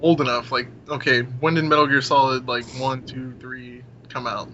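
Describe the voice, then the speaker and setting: Young dude talking games, slangy n emphatic, bright edgy voice, dull lo-fi sound. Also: male voice, medium pitch, little pitch movement, moderate pace. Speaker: podcast panelist. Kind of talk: casual opinionated gaming discussion. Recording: muffled audio with clear background noise.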